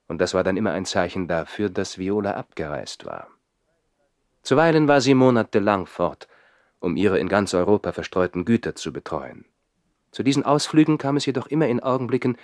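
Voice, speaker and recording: A man's voice: low-pitched, dry recording, clean studio sound. An actor playing a lovesick nobleman who lives in the trees, in a theatrical 1960s German radio play. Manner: theatrical, swinging from reflective telling to anguished outbursts.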